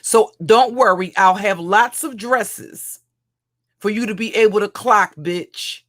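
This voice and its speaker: A woman with a heavy, deep voice, ranting as a livestream commentator in a mocking, profane way, often repeating and restarting her phrases. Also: takes it slowly, a bit bright. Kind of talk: profane roast rant.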